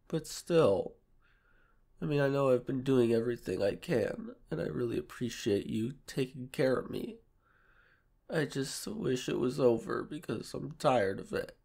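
Man acting a shy sick boyfriend, slow and congested. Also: medium pitch, lively intonation, gravelly, heavily acted. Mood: weary, pleading. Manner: soft, hesitant, pleading. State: sick, sore throat, stuffy nose. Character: shy submissive sick boyfriend seeking comfort. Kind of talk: ASMR boyfriend audio roleplay, improvised.

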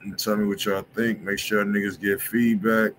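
A man's voice: fairly low pitch, level tone, normal speed, a bit bright, slight background noise. A man hosting a music review livestream in casual, slangy talk, often checking in with his listeners. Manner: laid-back slangy talk, keeps asking "you feel me". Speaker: music review show host. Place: indoor home music studio room.

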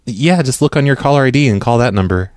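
A man's voice: medium pitch, lively intonation, fast talker, darkish tone, dry recording. This man stammers and halts through a prank call, putting on a mock-earnest tone. His voice is dry and close, with no room sound around it. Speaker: prank caller.

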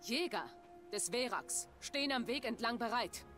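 An actress playing a commanding tribal hunt leader who announces a contest with ceremony. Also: female voice, a little high, expressive, moderate pace, over music, lightly acted.

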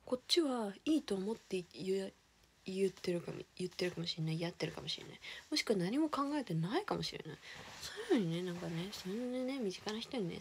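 A young woman, chatting casually as a streamer, ranting with animated indignation and dropping into whispered asides. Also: mid-range voice, vocal fry, slight background noise. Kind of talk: casual chat.

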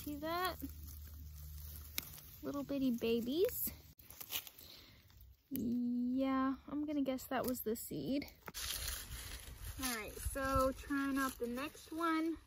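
A young woman vlogging as she does farm chores outdoors, chatting casually with the camera and softly cooing at the animals. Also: high-pitched, takes it slowly, long pauses, slight background noise. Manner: chatty, talks to the animals in a soft baby voice. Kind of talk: casual chat. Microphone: phone camera, often held at arm's length. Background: farm animals and outdoor ambience.

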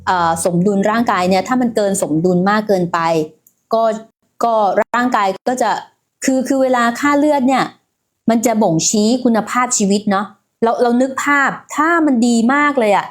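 This woman's voice leans high, and she keeps a moderate pace. She's doing casual health talk on a livestream, chatty and filler-heavy, speaking right to her viewers.

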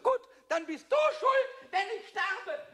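Small cheeky kobold: screechy, high-pitched, boastful, melodramatic, for a children's audio drama. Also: male voice, expressive, slow pace, fairly bright tone, heavily acted. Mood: whiny, panicked. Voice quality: squeaky, screechy. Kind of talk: German children's radio play.

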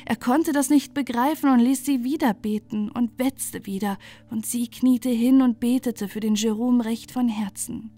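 A woman's voice: a little high, steady tone, measured pace, few pauses, warm tone. A woman narrating a scripted bedtime fairy tale as a storyteller. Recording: music bed under the voice.

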